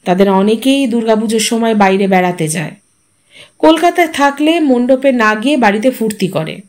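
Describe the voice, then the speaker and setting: A woman narrating a short story in a measured, expressive reading style. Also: a little high.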